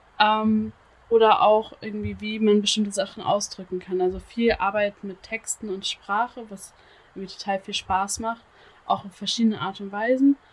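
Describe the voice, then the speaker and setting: A woman talks at a moderate pace in a medium pitch, somewhat breathy. Her intonation is monotone and flat, while her loudness swings widely. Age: 20s. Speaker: podcast guest sharing life story. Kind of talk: interview. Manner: hesitant, many fillers.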